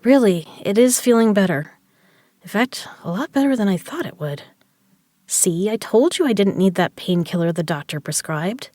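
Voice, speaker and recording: A woman's voice: medium pitch, animated, normal speed, dark tone, dry recording, clean studio sound, natural voice. A woman acting a stubborn, injured gambler in an audio drama, strained but defiant. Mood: drowsy.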